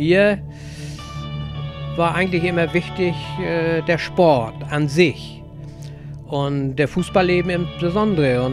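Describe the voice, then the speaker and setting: A man speaks in a dry sound with no echo. Clear music plays in the background. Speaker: amateur football goalkeeper coach. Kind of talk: interview answer. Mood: warm, reminiscing. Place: home room. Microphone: handheld.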